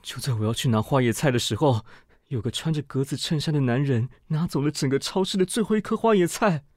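An actor playing a vain, bossy gay fashion-magazine director in a radio drama, with a Taiwanese Mandarin accent and a haughty, theatrical manner. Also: male voice, medium pitch, fast talker, darkish tone, dry recording, clean studio sound, close to an everyday voice. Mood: deadpan storytelling.

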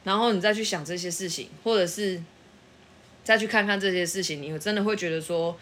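A woman's voice: on the low side, a little fast, a bit bright. A middle-aged woman chatting casually, reflective and earnest as she shares advice. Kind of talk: casual chat.

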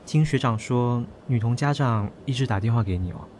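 A man's voice: medium pitch, fairly quick, darkish tone, a little hiss or hum, lightly acted. An actor playing a chatty, easygoing young rookie policeman who likes to grumble, in a Taiwanese-accented audio drama. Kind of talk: Mandarin audio drama acting.

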